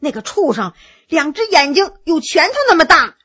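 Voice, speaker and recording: A woman voicing an excitable young girl who tells her story breathlessly with many exclamations. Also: high voice, normal speed, full character voice. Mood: excited.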